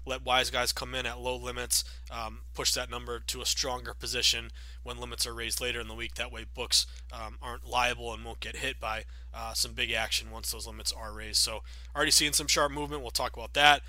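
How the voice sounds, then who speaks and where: A man in his thirties hosting a sports betting podcast, chatty and upbeat with many fillers, sounding a bit raspy from a cold. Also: medium pitch, little pitch movement, fairly quick, pushed and bright, no room sound. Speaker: podcast host.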